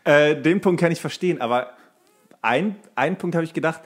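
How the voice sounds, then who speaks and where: A man co-hosting a podcast, chatting casually and rephrasing haltingly as he explains things. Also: a little high. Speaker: podcast co-host. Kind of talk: casual conversational chat.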